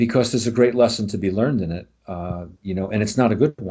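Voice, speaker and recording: With ordinary pitch variation, a man's speech moves along at a fairly quick pace. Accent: American. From US Northeast, Brooklyn, New York City. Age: 60s. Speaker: podcast guest and co-host. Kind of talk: casual podcast conversation. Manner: halting, many fillers.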